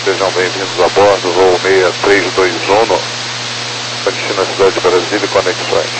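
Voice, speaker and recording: A man's voice: sits low, little pitch movement, normal speed. A man speaking as an airline captain, giving a cabin announcement to passengers. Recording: noisy cockpit radio with hum.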